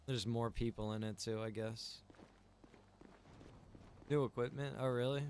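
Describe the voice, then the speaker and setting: A man's voice: mid-range voice, steady tone, measured pace, a little mellow. Casual male streamer with noise behind him. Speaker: game streamer. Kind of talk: casual live-stream chat while gaming. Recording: clear background noise.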